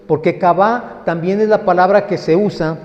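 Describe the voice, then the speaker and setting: A man preaching a sermon, teaching slowly and emphatically and putting questions to his listeners. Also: high voice, fairly even intonation, darkish tone. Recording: echoey hall, dull lo-fi sound.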